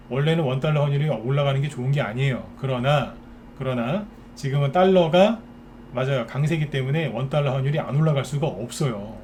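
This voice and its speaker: A man's voice: mid-range voice, a little mellow, a little hiss or hum. A man giving a live stock market lecture, ranting bluntly and firing rhetorical questions at his viewers.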